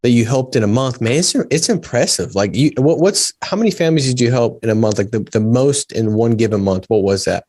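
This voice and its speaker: A man's voice: mid-range voice, expressive, brisk, hardly any pauses, a little mellow. A man in his thirties hosting a podcast, chatty and enthusiastic, often saying "man" and "dude". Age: 30s. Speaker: podcast host. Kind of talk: casual podcast interview.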